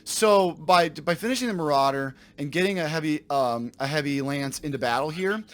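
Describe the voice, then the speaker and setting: Male let's-play host, slightly raspy from a cold, animated and fairly high delivery, thinks aloud. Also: moderate pace. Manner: thinks aloud, self-correcting, addresses viewers. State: slightly raspy from a sore throat. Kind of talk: casual gameplay commentary.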